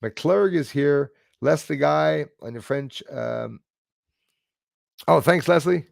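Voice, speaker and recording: A man's voice: on the high side, slow, vocal fry, no echo, studio quality. A man from Quebec with a Quebec English accent, hosting a casual livestream and rambling through chat with lots of fillers. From Quebec, Canada. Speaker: livestream host reading chat.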